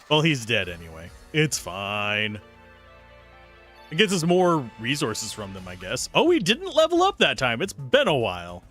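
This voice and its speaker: A young man streams a game and chats through it, joking and reacting aloud. His slightly raspy voice is bright and very lively in pitch. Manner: chatty, jokey, reacts aloud. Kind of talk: casual gameplay commentary.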